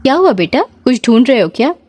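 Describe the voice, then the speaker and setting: A woman's voice: high voice, big pitch swings, fast, darkish tone. A woman voicing a pushy, scolding mother. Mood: coaxing. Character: stern scheming middle-aged mother.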